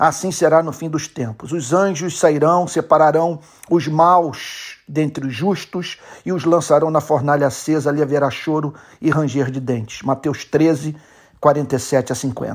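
A man's normal speaking voice, fairly high in pitch, at a fairly slow pace with fairly even intonation. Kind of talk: sermon-style devotional commentary. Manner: solemn, earnest, formal, pastoral; firm, indignant, measured, point-by-point.

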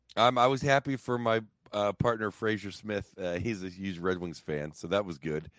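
A man with an American accent and a plain, everyday voice, fairly low in pitch with ordinary pitch variation, at a moderate pace, in a dry, close sound with no echo and a quiet background. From Pittsburgh, Pennsylvania. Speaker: comedian. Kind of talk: casual chat.

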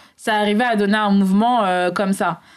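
A woman's medium-pitched voice moves at a moderate speed, its pitch rising and falling in an ordinary way. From Paris suburbs, Seine-Saint-Denis and Val d'Oise. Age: 20s. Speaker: association co-founder and city councillor. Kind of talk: interview. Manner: hesitant with many fillers.

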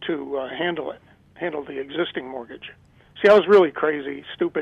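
A man with an American accent and a fairly high pitch. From Chesapeake, Virginia. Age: 60s. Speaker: caller. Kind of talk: casual question and answer. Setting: phone call. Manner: hesitant, halting.

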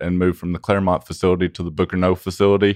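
Against a quiet background, a man with a Kentucky accent speaks very fast at a very deep, low pitch in a flat monotone, with a dry, close sound and no echo. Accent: Kentucky country. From Bardstown, Kentucky. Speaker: distillery manager and head distiller. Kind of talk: casual interview.

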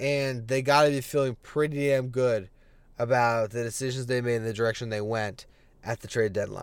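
A normal speaking voice with ordinary pitch variation comes through on a very clean recording with a silent background. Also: man. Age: 20s. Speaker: sports podcast host. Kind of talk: casual monologue. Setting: away from home, audio only.

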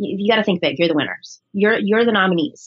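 A woman with an American accent uses a normal speaking voice, medium in pitch with ordinary pitch variation. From Buffalo, New York. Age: 30s. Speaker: political activist and show host. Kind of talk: podcast interview.

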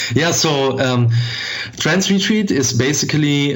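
In a German accent, a man talks with audible room echo around him. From Germany. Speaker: DJ and music producer. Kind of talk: casual interview chat.

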